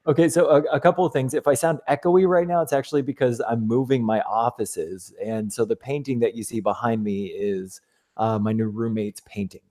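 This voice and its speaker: A man hosting a casual sports podcast, his voice hoarse and giving out, talking in a loose, rambling way from an echoey, half-empty office. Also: medium pitch, fairly even intonation, fairly quick, dark tone. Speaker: podcast host.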